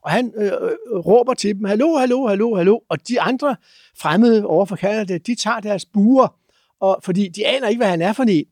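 A man telling adventure stories as a guest, lively but halting, with many filler sounds. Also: high-pitched, gravelly, no room sound, clean studio sound. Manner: lively, acts out chants and sounds. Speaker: guest explorer. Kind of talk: animated storytelling.

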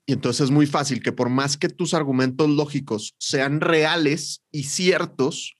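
A man, co-hosting a podcast, telling a story in a lively way and acting out the voices of the people in it. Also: fairly high pitch, measured pace. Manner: animated storyteller, acts out quoted voices. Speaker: podcast co-host, sales trainer.

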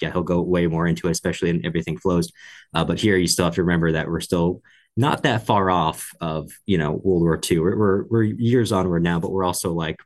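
Male book podcast co-host, low register, conversational and analytical, careful with his qualifications.

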